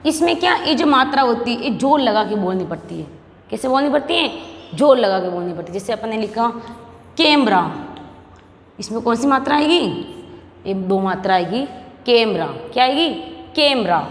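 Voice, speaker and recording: A woman teaching a lesson to young pupils with a Rajasthani Hindi accent. She asks questions, answers them herself, and repeats each word slowly. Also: on the high side, expressive. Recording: echoey room with long reverb.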